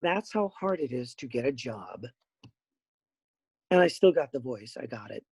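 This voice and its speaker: A middle-aged man with a raspy voice, a voice actor chatting as a podcast guest in an animated, rambling way. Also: mid-range voice, moderate pace, no room sound. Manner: animated, rambling with many fillers. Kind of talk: casual podcast interview.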